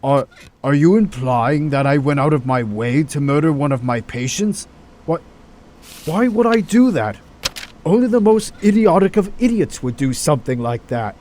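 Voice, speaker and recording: A man's voice: fairly high pitch, expressive, normal speed, darkish tone, lightly acted. A man acting a troubled, wrongly accused doctor in an audio drama, hesitant and earnest. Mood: indignant, protesting. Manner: hesitant, stammering, protesting. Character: distraught, indignant male doctor, wrongly accused. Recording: faint background noise.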